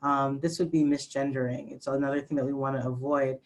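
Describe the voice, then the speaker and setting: A trans trainer with a fairly high voice, moderating a panel discussion. They explain ideas calmly and patiently, often pausing with "um", in a mid-range pitch over a video call. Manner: calm, explanatory, with frequent "um".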